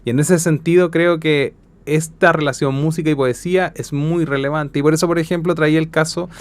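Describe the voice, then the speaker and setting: A man's voice: a little high, fairly even intonation, brisk. A man with a Chilean accent, a guest musician explaining his thoughts conversationally in a radio interview.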